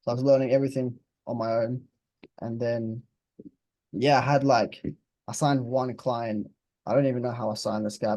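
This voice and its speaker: A young man of about twenty chats in a relaxed, blunt way, swearing now and then. His voice is mellow and warm, and the recording sounds dry and close. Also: mid-range voice, dry recording. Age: 20s. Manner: laid-back, blunt, swears casually. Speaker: interviewed client. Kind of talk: casual interview chat.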